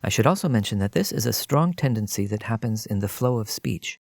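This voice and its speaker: A man narrating a scripted language lesson as a teacher, explaining in a measured way and addressing the listener directly. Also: lowish voice, animated, vocal fry, dry recording, clean studio sound.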